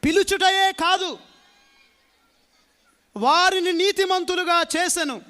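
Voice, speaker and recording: A man's voice: very high voice, fairly even intonation, bright, forceful tone. A male priest preaching a sermon in church, drawing answers from the congregation and stretching out key words for emphasis. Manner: call-and-response with congregation; emphatic, drawn-out stressed words. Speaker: Catholic priest.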